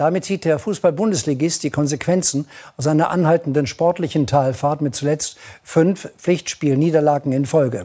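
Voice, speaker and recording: The tone is dark and mellow, with ordinary pitch variation. The background is quiet. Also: man, fairly high pitch for a man, moderate pace. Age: 60s. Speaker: news anchor. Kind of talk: TV news read. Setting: studio. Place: studio. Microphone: lapel.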